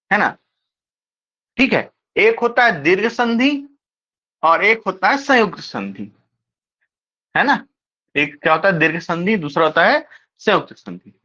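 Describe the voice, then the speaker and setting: A teacher giving an exam-prep grammar lecture, talking slowly and repeating points, often pausing to ask the class quick check questions. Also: mid-range voice, pushed and bright, muffled recording. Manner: slow, repetitive, keeps checking with rhetorical questions.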